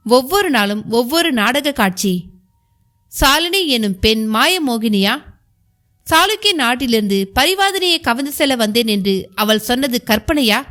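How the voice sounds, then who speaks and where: A woman narrating a historical novel as an audiobook, in a measured storytelling manner. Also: sits high, a bit bright.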